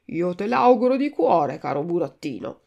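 A woman's voice: lowish voice, sing-song, normal speed, vocal fry, a little mellow, highs cut off, exaggerated voice. A woman voicing a resigned, philosophical male tuna with a cracked voice in a storybook reading. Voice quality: cracked, like an untuned guitar.

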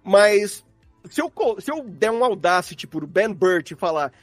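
A man's voice: sits high, very animated, measured pace, dry recording, soft background music. A Brazilian man explaining things in casual, rambling, slangy conversation, like a guest on a podcast. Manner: informal, rambling, uses slang.

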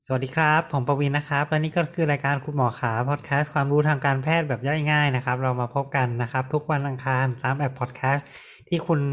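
A young man hosting a casual medical podcast, relaxed and chatty, laughing often. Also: mid-range voice. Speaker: podcast host.

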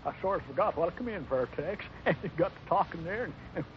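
An actor playing a talkative, boastful old cowhand from the American West in a 1950s radio Western, rambling in a folksy way. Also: male voice, a little high, expressive, fast, natural voice. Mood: sheepish. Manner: rambling, folksy, chuckling talker. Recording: muffled, hissy 1950s radio recording.

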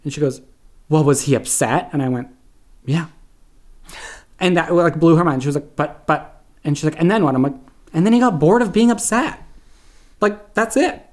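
A man's voice: on the high side, moderate pace, pauses often. A young man from Canada telling stories in casual podcast chat, peppering his speech with "like". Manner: chatty storyteller, constant "like". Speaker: podcast guest.

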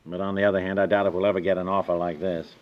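Actor as mild radio husband, dull old recording. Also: male voice, deep voice, little pitch movement, rapid-fire, lightly acted. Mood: earnest. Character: affectionate, mildly flustered husband in a domestic radio comedy. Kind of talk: 1950s naturalistic radio acting.

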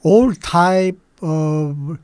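A man in his eighties with a Korean accent, recalling his childhood in a slow, hesitant way with many pauses and fillers. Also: fairly high pitch, a little mellow, clear, resonant tone, dry recording. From Manchuria. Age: 80s. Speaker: interview guest. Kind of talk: oral history interview.

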